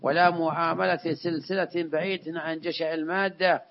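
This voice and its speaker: A man delivers a formal religious sermon in a solemn, oratorical way. His voice sits a little higher than most men's. The recording is dull and lo-fi, with limited detail. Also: little pitch movement, normal speed, slight background noise. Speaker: preacher. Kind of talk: formal sermon in classical Arabic, reciting scripture quotations.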